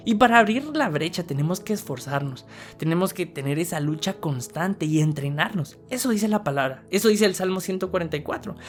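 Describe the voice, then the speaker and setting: A woman with a Guatemalan Spanish accent gives a motivational sermon, speaking earnestly and directly to the listener with rhetorical questions. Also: lowish voice. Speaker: preacher.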